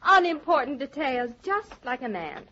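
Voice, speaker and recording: A bubbly young newlywed wife who chatters eagerly and banters sweetly. The voice sits fairly high, and the sound is dull, like an old 1940s broadcast. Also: female voice, big pitch swings, moderate pace, very noisy. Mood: chatty. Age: young adult. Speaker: radio actress. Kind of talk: 1940s radio acting. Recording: muffled 1940s radio broadcast.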